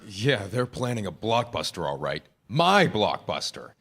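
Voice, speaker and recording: A sardonic schemer, played by a man at a staged reading. His voice is low, with animated pitch. He speaks like a conspirator plotting on the sly. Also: measured pace, exaggerated voice. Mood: bitter, scheming. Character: scheming, sardonic male schemer on a stealthy mission.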